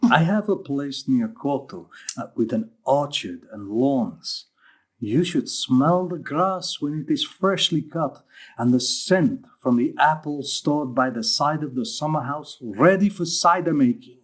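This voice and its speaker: An actor playing a gentle, courting foreign man who is learning English and searches for his words. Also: medium pitch, animated, unhurried, slightly rough. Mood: wistful, inviting. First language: not English, a learner of English.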